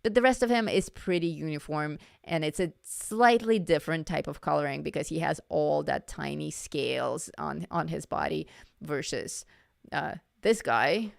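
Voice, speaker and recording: On a live stream, a woman teaches a coloring lesson in a slightly low voice with a gravelly fry that is going hoarse, yet it stays smooth and clear. She chats casually at normal speed, correcting herself, restarting and repeating words. The sound is dry and close, with no room sound.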